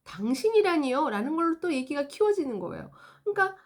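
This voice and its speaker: Animated woman teaching customer service. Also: a little high, a little fast. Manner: animated, acts out example dialogues. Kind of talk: instructional talk.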